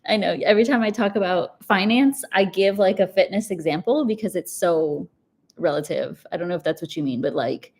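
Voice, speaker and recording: A woman's voice: lowish voice, fairly quick, breathy edge. A young woman hosting a casual live chat about personal finance, chatty and upbeat, with lots of "like" and easy laughs. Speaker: personal finance livestream host. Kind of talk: casual live chat answering viewer questions.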